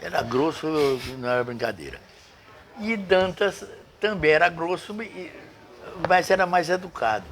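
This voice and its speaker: An older man, a doctor reminiscing in casual conversation, halting and searching for names. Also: a little high, sing-song, a bit bright. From Brazil. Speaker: guest doctor.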